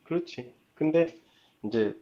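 A man's voice: fairly high pitch, animated, a little slow. A man on a phone call, talking casually and personally in a hesitant, conciliatory way. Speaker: phone caller. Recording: muffled, dull phone call.

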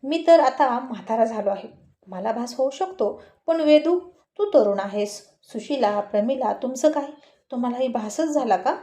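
A teasing, stern old grandfather from a spoken story, as a woman narrator puts him on, fond of ribbing his grandson and laying down the law. The voice is mellow and fairly high, recorded in an echoey room. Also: expressive, moderate pace, close to an everyday voice. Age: older. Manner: teasing, scolding.

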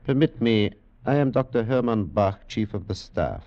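A man playing a skeptical, wry senior hospital doctor with formal, measured phrasing, in 1940s radio drama style. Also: on the low side, expressive, a little mellow. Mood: grave, wry. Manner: measured, formal, dryly humorous. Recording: dull vintage 1940s radio recording.

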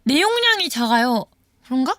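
Young female streamer, high and animated, chatty and playful. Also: normal speed, a little hiss or hum. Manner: playful, slips into comic voices when quoting. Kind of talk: casual late-night chat.

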